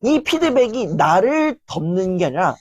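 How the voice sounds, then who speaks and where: A woman giving a motivational lecture in a lively, animated way, often acting out quotes. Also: medium pitch, moderate pace, no echo, lo-fi sound. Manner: animated, acts out quoted lines.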